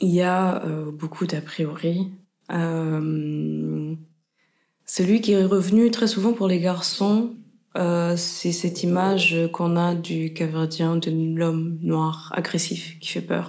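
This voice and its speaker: Audible room echo surrounds a woman speaking very slowly in a fairly low pitch with fairly even intonation. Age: 20s. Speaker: social worker. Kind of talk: interview. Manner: hesitant, many fillers.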